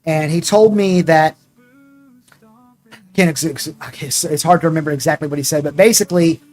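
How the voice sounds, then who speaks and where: A man's voice: a little high, fairly quick, a little mellow, soft background music. A man hosting a gaming podcast, chatting in a rambling way with restarts and laughing at himself. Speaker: streamer and podcast host. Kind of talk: casual gaming podcast chat.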